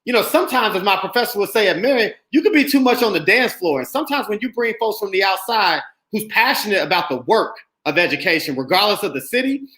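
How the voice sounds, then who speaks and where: Male podcast host, outspoken and emphatic, bright forceful tone. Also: high-pitched, fast, few pauses, echoey room. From Indianapolis, USA. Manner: emphatic, animated, speaks his mind. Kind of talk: casual podcast discussion.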